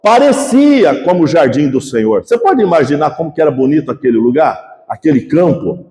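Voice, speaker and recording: High-voiced fervent male pastor. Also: sing-song, fairly quick, warm tone. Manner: fervent, repeatedly addressing the congregation as brothers. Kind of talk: sermon. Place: church. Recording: echoey church hall reverb.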